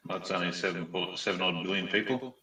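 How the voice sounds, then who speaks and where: A man's voice: low voice, fairly quick, sharp tone, far from the mic. A man chatting casually on a call, his voice echoing back through another device's speakers, with dry, wry remarks. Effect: echoing back through a second device's speakers. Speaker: co-host on a call. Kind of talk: casual chat.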